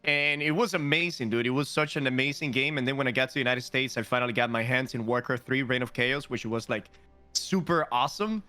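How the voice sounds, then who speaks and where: A man from Cuba co-hosting a podcast, telling stories in an animated, casual way. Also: medium pitch, brisk, soft background music. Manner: animated, informal storytelling. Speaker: podcast co-host.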